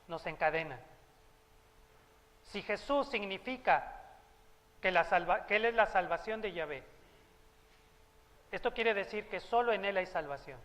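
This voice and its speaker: A man's voice: high-pitched, a bit bright, long reverb tail. A man with a Mexican Spanish accent, preaching a sermon as a pastor, conversational and joking with asides. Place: church hall.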